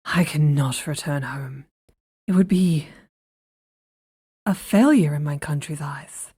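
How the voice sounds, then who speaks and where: A woman's voice: deep voice, slow pace, mellow, breathy edge, heavily acted. A woman playing a haughty, spiteful queen in a fantasy audio drama, with an imperious, dramatic delivery. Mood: guarded, grave.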